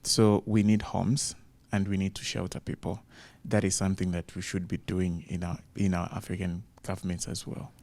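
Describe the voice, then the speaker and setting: A man with a Tanzanian accent giving deliberate, emphatic remarks as a participant in a group discussion. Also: sits low, level tone, creaky, a little mellow. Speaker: fellowship participant.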